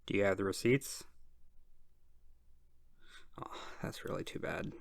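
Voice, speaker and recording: A shy, awkward tax auditor played by an ASMR performer speaks softly and haltingly in a roleplay. The delivery is slow and creaky, with stammers and breathy drops toward a whisper, recorded close and dry. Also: sits low, no room sound. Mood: awkward, methodical.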